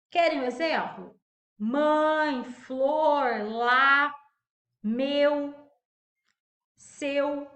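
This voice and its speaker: Slow, lively woman teaching a class. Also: high voice, roomy sound. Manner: asks the class questions and answers them, stretching key words. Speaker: primary school teacher. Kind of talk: recorded online grammar lesson.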